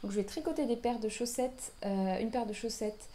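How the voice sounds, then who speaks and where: A woman's voice: on the high side, moderate pace, warm tone, slight background noise. A woman hosting a knitting podcast, talking casually with lots of fillers and restarts. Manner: hesitant, many fillers and restarts. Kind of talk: casual chat.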